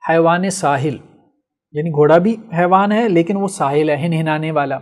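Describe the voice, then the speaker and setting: A man teaching a logic lesson, explaining step by step and answering his own questions. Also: a little high. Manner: often checks with "theek hai". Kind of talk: classroom lecture.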